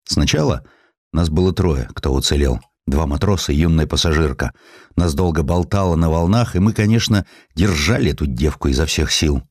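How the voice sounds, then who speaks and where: A man voicing a poor, ailing ex-sailor turned postman, gruff, proud and kind-hearted, with blunt, salty, plain-spoken delivery in an audio story. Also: extremely low pitch, moderate pace, darkish tone, no room sound, clean studio sound. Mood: gruff, matter-of-fact.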